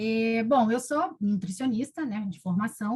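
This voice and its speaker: Somewhat breathy and fairly high-pitched, a woman talks at a fairly slow pace with ordinary pitch variation. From interior of São Paulo state, Brazil. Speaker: nutrition professor. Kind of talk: podcast interview. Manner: hesitant, many fillers.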